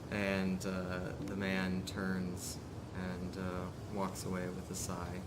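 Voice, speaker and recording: A man narrating a live tabletop roleplay as game master, improvising in halting phrases. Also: completely flat delivery. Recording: noisy low rumble.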